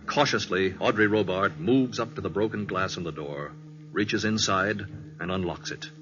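A man's voice: deep voice, moderate pace. A man announcing and narrating a 1940s radio drama in scripted style. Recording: dull old radio recording, faint music.

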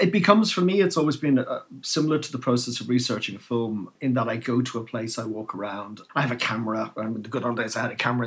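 A man, a novelist guest, speaking in a self-deprecating, anecdotal way with frequent restarts. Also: mid-range voice. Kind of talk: casual interview chat.

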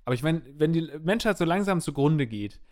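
A man's voice: on the high side, expressive, fairly quick, darkish tone. A man co-hosting a podcast, talking in a casual, rambling and jokey way. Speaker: podcast co-host. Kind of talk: casual chat.

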